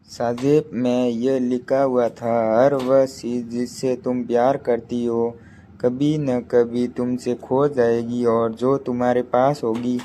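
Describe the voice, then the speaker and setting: A man narrating a short emotional story at a slow, halting pace. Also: medium pitch, level tone, mellow, a little hiss or hum. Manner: slow, halting reading with restarts.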